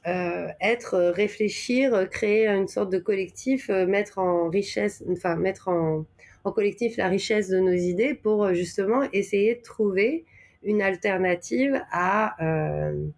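A woman from Normandy, France, speaks with a French accent as a podcast guest in a reflective, conversational interview, her medium-pitched, darkish voice moving at a measured pace. She searches for words and emphasizes key ones.

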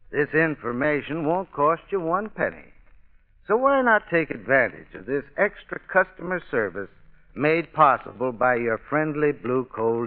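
A man giving a scripted old radio advertisement as an expert spokesman, in a folksy, plainspoken manner. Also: on the high side. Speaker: sponsor's heating expert spokesman. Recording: tinny, narrow-band vintage radio.

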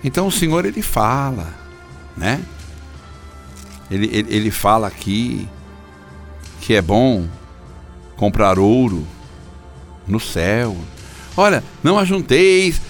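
A man's voice: lowish voice, lively intonation, slow pace, pauses often, faint music behind. A male pastor, preaching a theatrical, chiding sermon.

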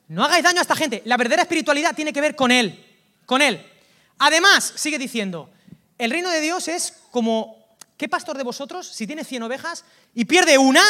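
A man with a Valencian Spanish accent, preaching a lively, colloquial sermon that swings from loud outbursts to hushed asides. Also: very high voice. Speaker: pastor.

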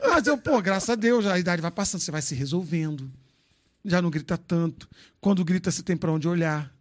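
A Brazilian man in his fifties chats loosely and frankly on a casual podcast, joking and swearing while telling his story. His voice is high and his pace brisk.

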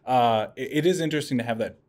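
A man's voice: mid-range voice, fast talker, a little mellow. A man co-hosting a podcast, chatting in an easygoing, jokey way. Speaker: podcast co-host. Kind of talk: casual podcast chat.

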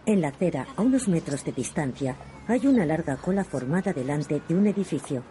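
Low, dark-voiced woman describing a film. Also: animated, fairly quick, a little hiss or hum. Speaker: audio describer. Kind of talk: scripted audio description narration.

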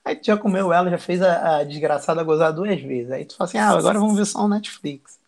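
A man's voice: sits high, quick pace, gravelly, darkish tone. A man, a podcast guest talking in a crude, slangy, boisterous way. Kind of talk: casual chat.

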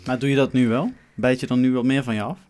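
Quick-talking male interviewer. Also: medium pitch, steady tone, a little mellow. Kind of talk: conversational interview questions.

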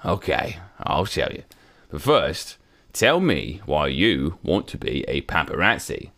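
A man doing a forceful Cockney paparazzo. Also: very deep voice, big pitch swings, slow pace, heavily acted.

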